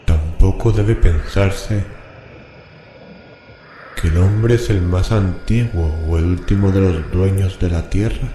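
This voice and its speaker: Man acting a deep, solemn, dark-voiced scholar. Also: slight background noise. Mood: solemn, ominous. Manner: slow, solemn, ominous incantatory delivery. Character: grave, horrified scholar reading forbidden occult scripture aloud. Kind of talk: horror radio drama acting. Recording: reverberant voice with music bed.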